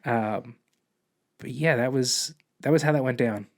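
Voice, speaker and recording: A man's voice: mid-range voice, a little slow, a little mellow. A man, a police officer and podcast guest, telling a long personal story in casual conversation, rambling with many restarts and acting out quoted dialogue.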